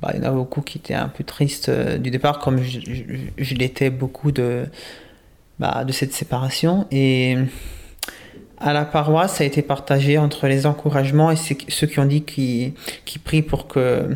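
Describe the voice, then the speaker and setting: Young man in his twenties, seminary candidate, gravelly and flat delivery, hesitant and reflective, full of pauses. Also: medium pitch. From Italy. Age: 20s. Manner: hesitant, thoughtful, many pauses and restarts. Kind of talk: casual interview answers.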